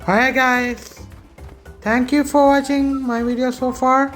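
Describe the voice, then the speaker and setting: A woman hosting a gaming video with casual, informal commentary in a halting delivery. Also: sits high, level tone, soft background music.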